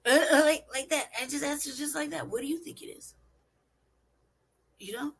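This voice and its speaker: Her voice sits high and holds a steady tone at normal speed. She's a vlogger from California delivering a casual monologue, profane and emphatic, peppered with rhetorical questions.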